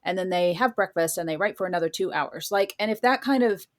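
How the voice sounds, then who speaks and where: Woman guest on a chatty interview, kinda low voice, informal and explanatory. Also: fast talker. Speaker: guest author. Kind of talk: casual interview conversation.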